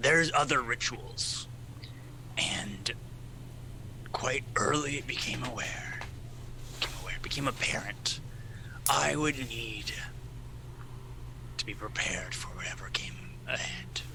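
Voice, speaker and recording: Whispering in a put-on character voice, a man moves at a fairly slow pace with long, frequent pauses over loud background noise. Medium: actual play. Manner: calm, controlled, quietly menacing.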